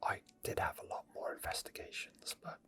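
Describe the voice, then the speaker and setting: Gentle, breathy whispering carries this spontaneous gameplay commentary. The gaming ASMR video maker takes their time, thinking out loud.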